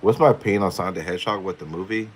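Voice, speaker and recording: A man's voice: low voice, very fast, background noise. A man hosting a casual live stream as a tarot reader, playfully answering viewer questions with frequent chuckles.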